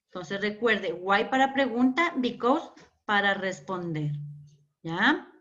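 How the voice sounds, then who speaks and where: A woman teacher takes her class through a lesson at an unhurried pace. She repeats each word, quizzes her pupils and praises their answers, in a mid-pitched voice. The recording sounds dull and lo-fi. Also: animated, fairly bright tone. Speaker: English teacher.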